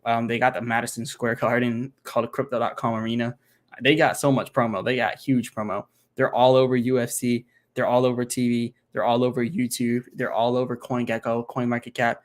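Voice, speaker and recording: Male streamer answering viewer questions, loose and rambling, working sums out loud. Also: mid-range voice, level tone, brisk. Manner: rambling, thinks aloud while doing math, many fillers. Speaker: crypto channel host. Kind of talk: casual livestream Q&A. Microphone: home computer setup, single monitor.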